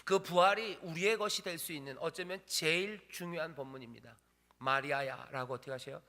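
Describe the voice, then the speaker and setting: A male pastor preaches with a bright, forceful voice pitched a little high. He repeats his phrases for emphasis and swings from ringing declarations to soft, hushed lines. His voice carries a long reverb from a large church hall. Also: fast talker. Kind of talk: sermon. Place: church sanctuary.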